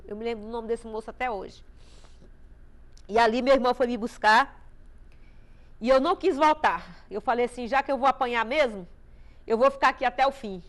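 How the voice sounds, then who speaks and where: A woman with a high voice tells her own story as a sermon to the congregation. She talks with passion, sometimes rising loud and sometimes dropping almost to a murmur. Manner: impassioned, swinging from loud to hushed. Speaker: preacher giving testimony. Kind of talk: testimony sermon.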